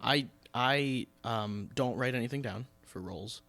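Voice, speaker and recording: Young guy hosting a podcast, low-key fry in his voice, casual and halting, keeps restarting. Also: a bit bright, faint music behind. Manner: informal, halting, self-interrupting. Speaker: podcast host. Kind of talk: casual interview chat.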